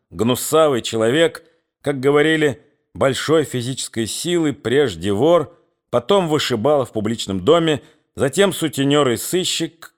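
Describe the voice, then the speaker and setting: A man narrating a literary story aloud in a measured, expressive reading. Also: medium pitch. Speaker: audiobook narrator.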